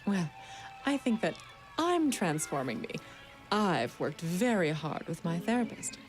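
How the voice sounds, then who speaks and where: A woman's voice: lowish voice, very animated, unhurried, soft background music. An actress playing a scheming businesswoman villain in a children's radio drama, affected and theatrical, falsely sweet and haughty. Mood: breezy, haughty.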